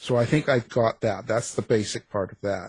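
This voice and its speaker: Against a quiet background, a man with a fairly low pitch talks at a moderate pace, somewhat breathy, in a dry, close sound with no echo. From Seattle, US Pacific Northwest. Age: 60s. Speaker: radio host. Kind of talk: interview.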